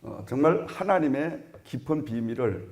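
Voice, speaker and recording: A middle-aged male pastor preaching a sermon with animated delivery, shouting commands and acting out exchanges. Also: medium pitch, normal speed. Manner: animated preaching, shouted commands, acts out dialogue, frequent "응?" asides. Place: church sanctuary. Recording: echoey church hall.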